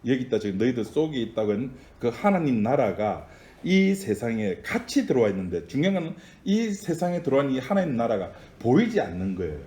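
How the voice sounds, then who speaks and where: Animated pastor preaching in a roomy hall. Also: male voice, medium pitch. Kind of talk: sermon.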